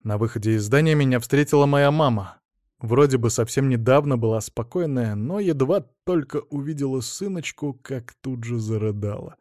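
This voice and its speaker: A man reading a novel aloud in the first person, in an even, plain storytelling manner with wry asides. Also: mid-range voice, normal speed, no room sound, clean studio sound. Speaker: audiobook narrator.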